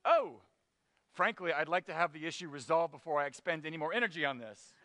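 A man voicing an excitable young boy who whines dramatically about homework. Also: fairly high pitch, brisk, slight background noise. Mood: earnest. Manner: whiny, outraged.

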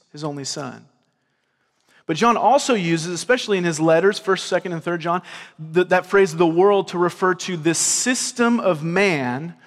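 A man in his thirties with a Southern US accent, preaching a sermon in an earnest, conversational way, often checking in with a quick "right?". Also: on the high side. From grew up in California and Georgia. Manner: earnest, repeats words, asks the crowd "right?". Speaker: pastor. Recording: long hall reverb.

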